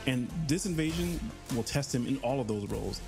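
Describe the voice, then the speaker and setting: A man's voice: mid-range voice, lively intonation, brisk, gravelly. Man as presenting writer: scripted promotional delivery, middle-range voice, music underneath. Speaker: writer presenting his work. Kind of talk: prepared promotional talk. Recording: music behind the voice.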